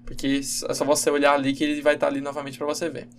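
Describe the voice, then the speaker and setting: A man's voice: on the high side, completely flat delivery. Man teaching over a faint hum. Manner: casual, halting explanation with many fillers and self-corrections. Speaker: game development instructor. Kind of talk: screen-recorded programming tutorial.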